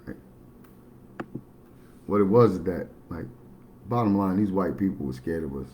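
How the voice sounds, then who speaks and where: A man's voice: expressive, normal speed, background noise. A man, talking bluntly and matter-of-factly in a rambling livestream monologue. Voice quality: baritone. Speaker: livestream host.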